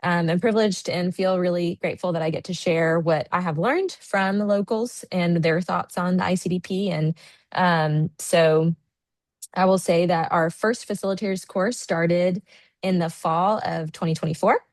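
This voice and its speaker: An American woman in her thirties talks warmly and loosely on a video call, full of "um"s and "like"s. She is short on sleep, and her voice sits low and dry. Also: fairly even intonation, moderate pace, dry recording. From United States. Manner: chatty, friendly, many fillers. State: sleep deprived. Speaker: guest presenter. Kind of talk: online presentation.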